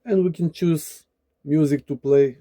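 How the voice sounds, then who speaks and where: Dark-toned, slow-speaking man presenting a tutorial. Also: a little high. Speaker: presenter demonstrating a DIY electronics project. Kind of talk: scripted tutorial narration.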